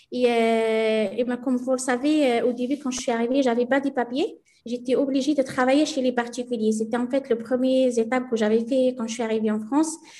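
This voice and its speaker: A woman with a Moroccan accent, high-pitched with a dark, mellow tone, monotone and flat, at a fairly quick pace with hardly any pauses. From Morocco, Safi region. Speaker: caterer. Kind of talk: interview. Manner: halting.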